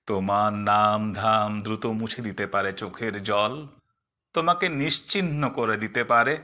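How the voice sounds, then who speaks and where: Bright-voiced man reciting poetry dramatically. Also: fairly low pitch, unhurried.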